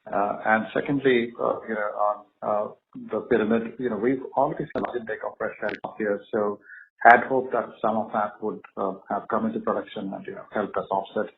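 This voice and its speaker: A man's voice: on the low side, steady tone, a little fast, gravelly. A man speaking as a financial analyst, asking rambling, unscripted questions with hesitant phrasing over a phone on an earnings call. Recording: phone-like line with faint noise.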